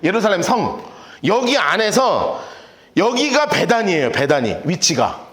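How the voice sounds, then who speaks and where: A man preaching a casual, playful sermon as pastor, acting out the people in his stories with quick little voices. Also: high voice, sing-song, a bit bright, echoey room. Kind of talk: lively sermon. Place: church sanctuary.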